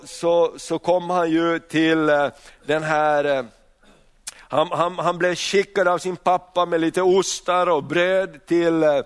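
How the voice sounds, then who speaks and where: A preacher with a notably high-pitched, clear, resonant voice delivers a sermon in loose bursts. He stumbles, repeats words while restarting sentences, and often fires rhetorical questions at his listeners.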